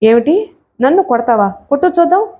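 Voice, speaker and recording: A woman voicing a volatile young woman with a split personality, defiant and shrill in a storybook reading. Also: steady tone, brisk, warm tone, close to an everyday voice.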